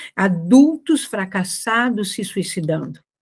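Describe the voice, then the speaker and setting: Somewhat breathy speech comes at a very slow pace on a very clean recording with a silent background. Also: woman. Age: 60s. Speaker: guest speaker on mental health. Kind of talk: conversational interview.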